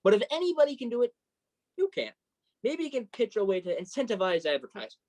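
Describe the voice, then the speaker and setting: A woman's voice: on the high side, very animated, fast, warm tone. A woman playing a supportive, self-deprecating young male journalist and best friend in a staged reading of a play. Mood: sympathetic, encouraging.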